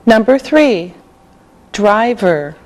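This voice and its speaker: Very slow, carefully enunciating woman teacher. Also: medium pitch, expressive, a little mellow. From Canada. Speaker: English teacher. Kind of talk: scripted language lesson.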